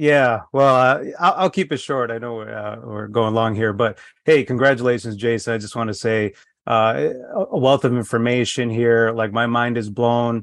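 In a normal speaking voice, the man keeps a moderate pace, a medium pitch and ordinary pitch variation. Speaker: business coach. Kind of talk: workshop Q&A.

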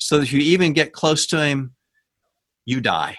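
The background is quiet. A man speaks with a bright, sharp tone. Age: 60s. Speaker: pastor. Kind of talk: conversational interview about a sermon. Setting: video call.

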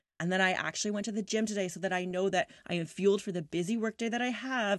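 Against a quiet background, a woman speaks very fast in an animated tone, the sound dry and close with no echo. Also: hardly any pauses. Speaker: fitness model and podcast host. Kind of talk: solo podcast monologue, casual and motivational. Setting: recording in a closet at home under a blanket. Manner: fast talker, high energy; animated, conversational.

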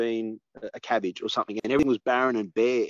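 A fast-talking man at medium pitch with an Australian accent, his pace very fast. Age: 40s. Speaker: guest sharing life story. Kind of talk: casual chat.

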